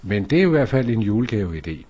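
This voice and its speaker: A man's voice: on the low side, big pitch swings, dark tone, husky, highs cut off. A man hosting a local radio show from the studio, chatting casually and rambling with many fillers.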